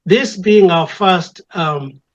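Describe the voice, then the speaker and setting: An older Ugandan church elder, appearing as an interview guest, speaks reflectively and deliberately in a high-pitched voice, repeating phrases for emphasis. The conversation is thoughtful, and the recording has a lo-fi sound.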